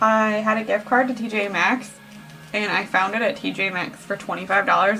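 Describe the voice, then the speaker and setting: Noticeable background noise runs under this recording. A woman speaks at medium pitch. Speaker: beauty vlogger. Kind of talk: makeup tutorial.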